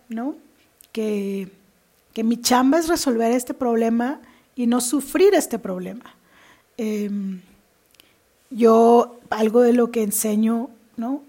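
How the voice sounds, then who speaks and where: A woman's voice: fairly high pitch, dark tone, slightly rough. A woman with a Mexican Spanish accent hosting a podcast as an executive coach, talking in a chatty, confessional way and laughing often. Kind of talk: casual podcast monologue.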